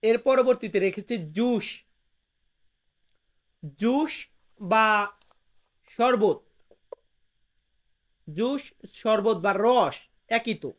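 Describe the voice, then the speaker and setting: A man from Bangladesh, teaching a vocabulary lesson to viewers, slowly repeating each word and its meaning with emphasis. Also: high-pitched. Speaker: language teacher.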